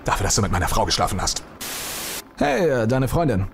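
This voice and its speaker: A man voicing absurd cartoon men, jumping from deadpan to hysterical with exaggerated, abrupt delivery. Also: on the low side, brisk, full character voice. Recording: clear music bed behind.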